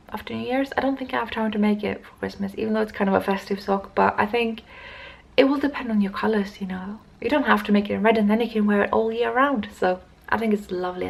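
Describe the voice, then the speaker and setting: A woman talks to her camera about her knitting projects, with a gravelly, creaky edge to her voice. She rambles and digresses, interrupting herself mid-sentence. Her pitch sits in an ordinary middle range. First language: not Swedish. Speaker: knitting podcast host. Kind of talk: casual knitting vlog chat.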